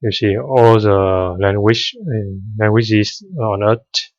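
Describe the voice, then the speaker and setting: A man whose first language is Vietnamese walks through code in a tutorial, pausing often and filling gaps with hesitant sounds. His voice sits fairly low and he speaks slowly. The recording is dry and a bit dull. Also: fairly even intonation, no room sound. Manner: hesitant, many "uh" fillers, unhurried. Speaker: programming tutor. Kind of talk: screen-recorded coding tutorial.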